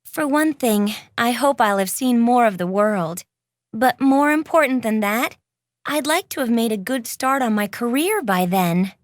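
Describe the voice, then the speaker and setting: A woman's voice: on the high side, lively intonation, unhurried, no echo, clean studio sound. A woman playing a twenty-one-year-old woman who speaks thoughtfully and a little anxiously in a scripted textbook dialogue. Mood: reflective. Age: young adult. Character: 21-year-old woman, unsure about her career.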